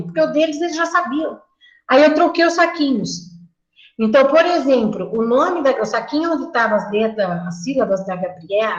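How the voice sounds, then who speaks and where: A woman teacher explaining classroom methods to other teachers, acting out dialogue with children. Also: high-pitched. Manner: lively, acts out classroom dialogue. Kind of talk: teacher training talk. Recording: echoey lo-fi room.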